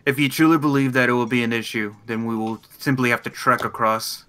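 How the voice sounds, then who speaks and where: Male tabletop player, bright clear-cut tone, practical and measured in casual group planning. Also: medium pitch, fairly even intonation. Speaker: player in a tabletop roleplay game.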